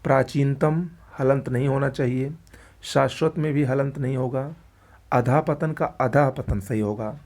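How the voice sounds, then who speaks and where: Guy teacher rattling thru spelling drills, quick and repetitive, mid pitch. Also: fairly even intonation, a little mellow. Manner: brisk, repetitive, pointing out words on screen. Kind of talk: exam-prep spelling lesson.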